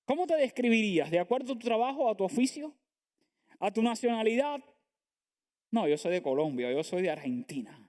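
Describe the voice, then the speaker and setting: Male pastor, high voice, earnest sermon delivery with rhetorical questions. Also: very animated, a little fast, a little mellow. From Latin America. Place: church sanctuary.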